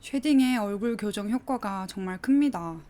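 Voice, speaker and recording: A woman's voice: mid-range voice, expressive, moderate pace, warm tone. A woman beauty vlogger giving a casual make-up tutorial in a polite, explanatory, step-by-step manner.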